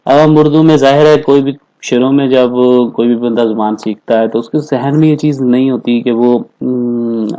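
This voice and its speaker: A man teaching Spanish in a classroom-style lesson, explaining patiently, repeating phrases, and saying the Spanish examples slowly and carefully. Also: mid-range voice, a little mellow, rough recording. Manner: explains patiently, repeats phrases, keeps asking "theek hai na".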